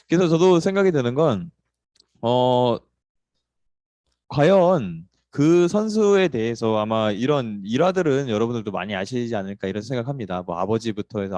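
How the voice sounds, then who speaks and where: Man, chatty host, lively pitch, dry close sound, video call. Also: dry recording. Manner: chatty, animated, many fillers. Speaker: morning session host. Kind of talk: casual introductory talk.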